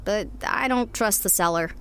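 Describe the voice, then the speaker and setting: A woman's voice: mid-range voice, moderate pace, sharp tone, smooth. A woman playing a cocky, scrappy young resistance scavenger with a casual, flippant manner in a sci-fi audio drama. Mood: breezy, wry.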